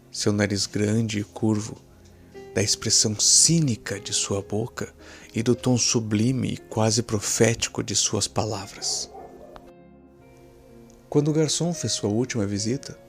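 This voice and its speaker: A man with a Brazilian accent reading a scripted horror story as its narrator. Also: fairly low pitch.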